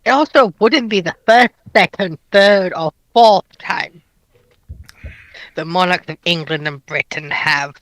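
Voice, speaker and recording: A man's voice: sits high, a little slow, a bit bright, no room sound, low-quality recording. A man taking part as a panelist in an informal live discussion of history.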